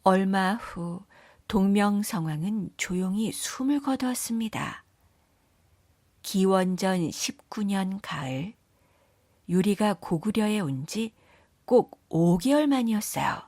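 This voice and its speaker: A woman reading scripted children's story narration in a measured, careful storytelling manner. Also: mid-range voice, expressive, darkish tone, dry recording.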